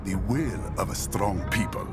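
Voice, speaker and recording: An actor playing a calm, formal middle-aged prime minister in a game cutscene. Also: male voice, low-pitched. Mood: measured. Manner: measured, formal, statesmanlike. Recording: game cutscene with loud music behind.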